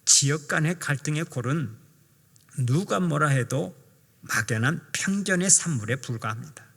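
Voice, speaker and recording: Older male pastor, somewhat high and gravelly voice, earnest sermon in a reverberant church hall. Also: a bit bright. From Jeolla, South Korea. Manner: earnest preaching, acts out quoted speech. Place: church sanctuary.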